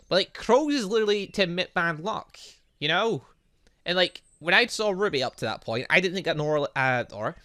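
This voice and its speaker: Slightly high and pushed bright, this man's voice comes through with no echo. As a gaming YouTuber doing a let's play of a visual novel, he reads the dialogue aloud, interjects his own remarks, and keeps fumbling words and correcting them.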